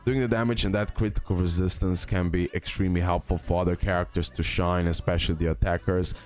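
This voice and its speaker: This indoor screen-recording voice-over features a deep-voiced YouTuber talking fast in a level tone about his game tier list. He thinks aloud hesitantly and keeps repeating phrases for emphasis, while faint music plays behind him.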